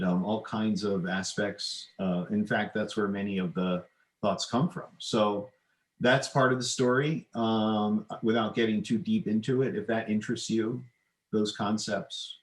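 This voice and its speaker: A middle-aged man, an author guesting on a podcast, explaining his ideas in a halting, thoughtful, conversational way. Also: lowish voice, poor audio. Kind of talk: conversational interview answers.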